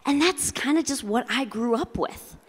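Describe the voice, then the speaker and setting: A woman's voice: high voice, expressive, normal speed, husky. A middle-aged woman giving a motivational keynote with comic storytelling, speaking with theatrical emphasis and working the audience through a handheld microphone. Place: large convention hall, indoors. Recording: live hall PA with long reverb.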